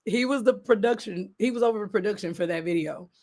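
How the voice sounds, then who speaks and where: A woman's voice: medium pitch, quick pace. Laughing woman singer telling stories. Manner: laughing, animated storyteller. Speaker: singer and producer, interview guest. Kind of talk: casual interview chat.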